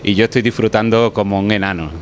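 A man in his fifties, a head chef, explaining in a steady, unhurried way during an interview in a restaurant kitchen on a handheld mic. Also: fairly low pitch, a crowd in the background. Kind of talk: casual interview. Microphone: handheld reporter mic.

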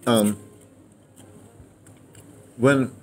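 A man of about seventy, reminiscing casually in a rambling, halting way, circling back to his point. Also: medium pitch, fairly even intonation, darkish tone. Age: around 70. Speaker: interviewee, theater and radio drama veteran. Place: outdoors in a yard beside a house. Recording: clear outdoor ambient noise.

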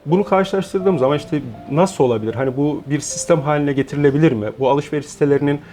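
Measured, mellow-voiced man in his forties. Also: fairly high pitch, soft background music. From Turkey. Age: 40s. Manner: measured, explanatory, with frequent hesitation fillers. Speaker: guest, founder of an online shop. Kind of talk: interview.

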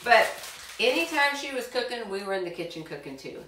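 A middle-aged woman leads a live cooking demonstration for kids at home, chatty and encouraging as she addresses them directly. She sounds very animated, with a fairly high, somewhat bright voice and a fairly quick pace. Picked up by a far camera, the sound is roomy and distant.

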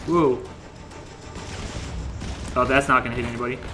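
A young man hosting a casual gameplay livestream, joking and greeting viewers while he plays, his voice a little hoarse. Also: mid-range voice, steady tone, moderate pace, background noise. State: slightly hoarse, losing his voice. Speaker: livestream game host.

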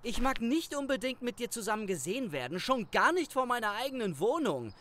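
A man's voice: extremely high pitch, very animated, a little fast, a bit bright, slight background noise, exaggerated voice. A man playing a wary, annoyed policeman on desk duty in a crime audio drama, brusque and sarcastic. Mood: annoyed, hurried. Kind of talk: German crime audio drama acting, conversational.

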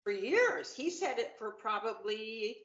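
A woman's voice: on the high side, big pitch swings, a little slow, fairly bright tone. A middle-aged woman chatting on a video call, upbeat and talkative, with many fillers and restarts. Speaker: panel guest. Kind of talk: casual video-call chat. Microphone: video call webcam. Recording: roomy, dull webcam audio.

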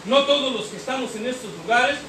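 A man's voice: very high-pitched, fairly quick, far from the mic. A man with a Mexican accent giving an impassioned testimony at a recovery group meeting, profane and rhetorical, peppering every line with slang and a questioning "eh?". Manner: profane, rhetorical, keeps tagging lines with slang and "eh?". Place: meeting hall. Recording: echoey hall, recorded from afar, noisy.

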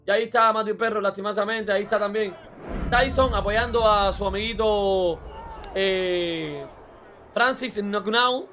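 Streamer, male, high-pitched, chatty and repetitive, light music bed. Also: measured pace. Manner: excitable, repeats phrases, says "bro" often. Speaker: reaction streamer. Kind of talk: casual reaction commentary.

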